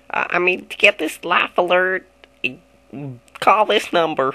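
A woman puts on a character voice. Her pitch is medium. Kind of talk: comic overacting. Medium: fan dub. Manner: rambling, crude.

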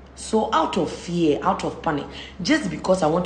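Speaking at a fairly low pitch with ordinary pitch variation, a woman keeps a moderate pace amid light background noise and audible room echo. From Ghana. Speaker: social media personality. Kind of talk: personal video statement. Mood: aggrieved, defiant. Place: home room. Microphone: phone near.

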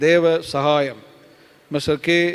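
The intonation is fairly even. It belongs to a man whose pitch runs fairly high. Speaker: church service leader. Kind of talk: fervent intercessory prayer, earnest and pleading. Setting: church. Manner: fervent, earnest, pleading. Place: church. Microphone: handheld.

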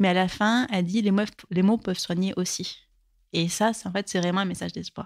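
In a very clean recording with a silent background, a woman speaks at a medium pitch and a fairly quick pace with fairly even intonation. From southern France, near Toulouse. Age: young. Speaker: bereaved sister and author. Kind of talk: testimony. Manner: hesitant, many fillers.

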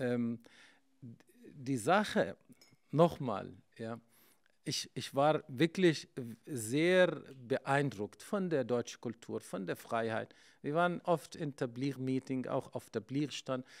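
With an Arabic accent and lively intonation, a man speaks at a very slow pace, leaving long, frequent pauses against a quiet background. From Syria, Yarmouk camp south of Damascus; Syria. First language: Arabic (speaking German). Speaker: guest speaking about Palestine and faith; guest. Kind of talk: interview conversation. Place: studio. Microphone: studio mic.

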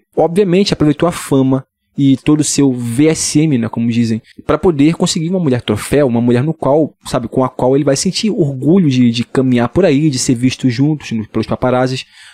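A man with a fairly high pitch speaks in a dark, mellow tone. The pace is fairly quick with ordinary pitch variation, recorded dry with no echo over a quiet background. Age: 30s. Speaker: YouTuber on men's self-development. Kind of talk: video monologue. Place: home room. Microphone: studio mic.

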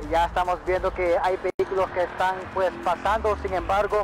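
The voice is monotone and flat at a moderate pace, with a dry sound that has no echo and music in the background. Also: man. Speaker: field news reporter. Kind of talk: live news report. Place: street. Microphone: earbuds.

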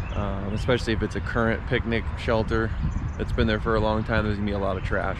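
A man speaks at a fairly quick pace, the sound dry with no echo but with noticeable background noise. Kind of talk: casual vlog tutorial. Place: open country. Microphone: phone near.

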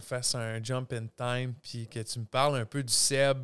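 Against a quiet background, a man with a Quebec accent speaks with fairly even intonation. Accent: Québécois French. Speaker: podcast host. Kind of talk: casual interview. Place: studio. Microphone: studio mic.

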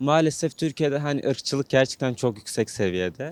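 A man of medium pitch, talking at a fairly quick pace. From Diyarbakır, southeastern Turkey. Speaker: street interview interviewee. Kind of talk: street interview. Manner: hesitant, many fillers.

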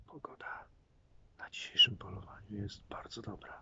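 A man whispers. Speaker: hunter. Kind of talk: casual talk to camera. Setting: outdoors, phone recording from a hunting stand. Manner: whispered, quiet. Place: forest. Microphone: phone near.

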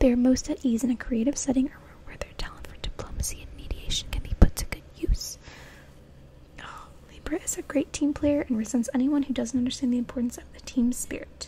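A whispering woman at a fairly quick pace, with big swings in loudness. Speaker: ASMR-style reader. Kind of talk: reading zodiac descriptions aloud. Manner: soft-spoken, close-mic reading voice. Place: home room. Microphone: studio mic.

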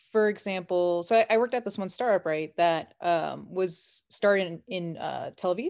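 A woman with a normal speaking voice, medium in pitch. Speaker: data scientist. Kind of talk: casual chat. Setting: video call.

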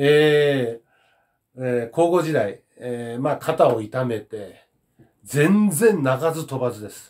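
Speaking at a very slow pace, a man with a fairly high pitch shows big swings in loudness. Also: quiet background. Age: 60s. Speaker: former pro baseball player and coach; coach. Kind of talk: casual monologue; casual reminiscing talk to camera. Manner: halting with many fillers. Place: home room. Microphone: camera far.

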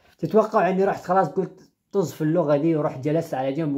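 The voice has a dark, mellow tone and ordinary pitch variation at a fairly quick pace. Behind it, the background is quiet. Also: man. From Saudi Arabia, Pakistani family. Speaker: YouTuber. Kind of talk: casual vlog monologue. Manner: animated. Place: home room. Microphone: webcam.

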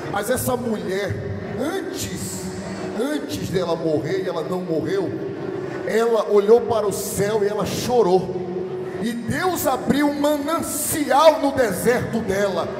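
With long, frequent pauses, a man talks at a very slow pace against noticeable background noise. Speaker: preacher. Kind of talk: sermon. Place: hall. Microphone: headset.

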